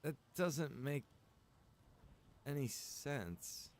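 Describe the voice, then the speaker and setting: A man thinking aloud while gaming, muttering to himself in a halting, puzzled way. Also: on the high side, sing-song, darkish tone.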